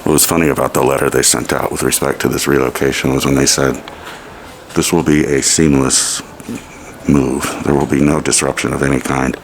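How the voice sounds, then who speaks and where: A man's voice: extremely low pitch, flat delivery, a little fast, gravelly, slight background noise. An American man rambling casually in a wry, musing way as he narrates a vlog while exploring. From United States. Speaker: vlogger.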